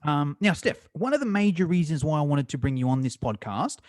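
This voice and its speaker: A man's voice: fairly high pitch, sing-song, a little fast, no room sound, clean studio sound. Upbeat Australian man hosting a podcast. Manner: enthusiastic, chatty, frequent restarts. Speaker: podcast host. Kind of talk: casual interview chat.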